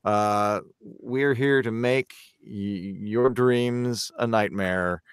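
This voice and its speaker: A man hosting a podcast, relaxed and joking as he wraps up in casual chat. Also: mid-range voice, very slow, smooth, no echo, clean studio sound. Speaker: podcast host. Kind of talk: casual chat, wrapping up show.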